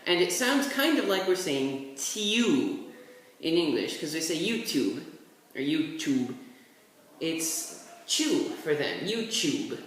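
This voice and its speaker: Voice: mid-range voice, very animated, slow, distant mic. A person giving a laid-back, rambling tutorial while writing characters, with offhand asides. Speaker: language tutor. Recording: very echoey room, voice set back from the mic, faint hiss.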